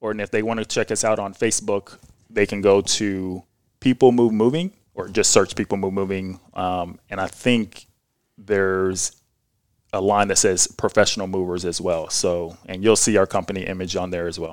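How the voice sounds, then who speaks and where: On a very clean recording with a silent background, a man uses a normal speaking voice at a fairly low pitch and a moderate pace. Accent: American. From southern Indiana. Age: 30s. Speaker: moving company owner and former basketball player. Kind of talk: casual interview.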